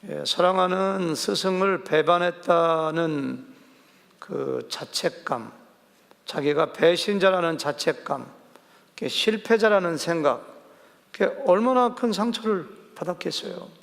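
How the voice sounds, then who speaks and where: A senior pastor preaches conversationally in a church sanctuary, drawing answers from the congregation and vividly acting out quoted dialogue. His voice is on the high side and a bit bright, with vocal fry and a measured pace. The sanctuary gives a long reverb.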